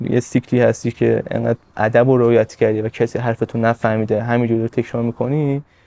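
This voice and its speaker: Dry and close with no echo, this man's voice has a dark, mellow tone at a medium pitch. He talks at a moderate pace in monotone, flat intonation. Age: young. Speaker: young interviewee. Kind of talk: interview.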